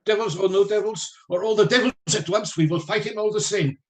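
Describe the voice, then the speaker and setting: Male actor as older Germanic professor, slightly high voice, grave, commanding, fatherly, theatrical radio drama. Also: a little fast, natural voice. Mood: grim, forceful. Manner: stilted foreign phrasing, commanding yet fatherly.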